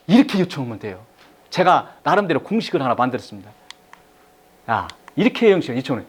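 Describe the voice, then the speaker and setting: Lively, high-pitched male lecturer. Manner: lively, repeats key phrases and has the audience echo them. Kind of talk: live lecture to an audience.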